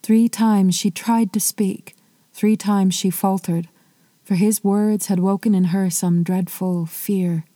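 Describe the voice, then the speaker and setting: A woman narrating an old myth as a podcast storyteller, in a measured, lyrical way. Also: medium pitch, steady tone, mellow, no echo.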